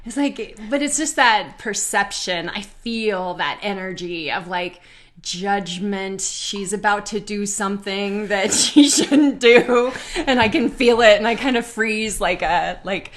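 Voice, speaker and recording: A woman's voice: medium pitch, slow pace. A woman hosting a live online conversation, candid and chatty, laughing often. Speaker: host.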